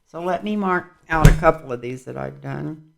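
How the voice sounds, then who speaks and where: A man's voice: a little high, normal speed, vocal fry, a bit bright, slight background noise. A man reading tarot cards in a casual vlog, rambling and musing aloud as he goes. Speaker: tarot reader.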